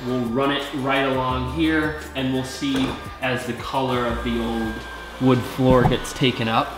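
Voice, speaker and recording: A man's voice: medium pitch, little pitch movement, unhurried. Young guy doing a diy floor how-to, upbeat, echoey empty room, music under it. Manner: upbeat, step-by-step explaining. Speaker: DIY renovator.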